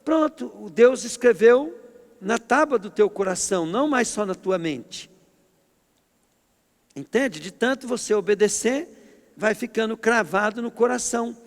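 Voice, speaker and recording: Middle-aged Brazilian pastor, forceful and emphatic, pitched high, preaching in a reverberant church hall. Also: male voice, a little slow. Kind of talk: sermon.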